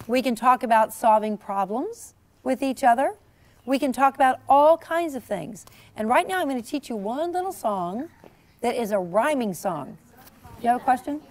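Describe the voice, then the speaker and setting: A woman storyteller talking with young children in an encouraging, animated, teacherly way, asking questions and praising. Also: fairly high pitch, moderate pace.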